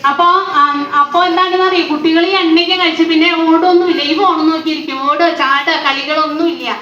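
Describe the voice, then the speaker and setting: Woman vlogger, high voice, slightly dull and distant sound. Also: fairly even intonation, quick pace, sharp tone, reverberant, slight background noise. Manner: chatty, explaining with small restarts. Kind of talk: casual chat to viewers.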